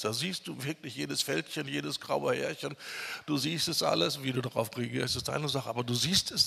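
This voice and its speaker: A man preaching a sermon with emphasis, drawing out key words slowly when he lists them. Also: medium pitch, creaky, bright, forceful tone, husky. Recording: long reverb of a hall.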